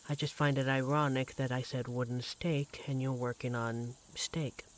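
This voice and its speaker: A man playing an affectionate, devoted vampire partner in a roleplay audio drama, speaking in a tender, gently teasing, conversational way. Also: medium pitch, little pitch movement, moderate pace, natural voice. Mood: surprised, curious. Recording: clearly audible background noise, sizzling kitchen effects.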